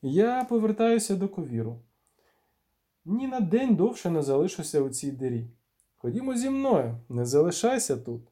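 A man voicing an old male wizard who is scornful and fussy, his pitch jumping up and down as he talks, in a dark-toned audiobook reading. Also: very animated, moderate pace. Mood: agitated.

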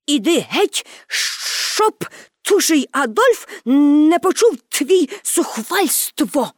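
A woman's voice: high voice, very animated, very slow, no echo, clean studio sound, voice pushed up, exaggerated voice. A woman voicing a furious grown man, a circus director who hisses his words. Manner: hissing and grudging.

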